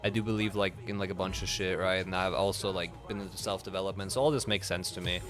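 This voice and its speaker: A man's voice: deep voice, fairly even intonation, quick pace, over music. A young man streaming a game, telling a story in a casual, rambling way with lots of swearing and "like" fillers. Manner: rambling, profane, heavy use of "like". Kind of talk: casual storytelling while playing.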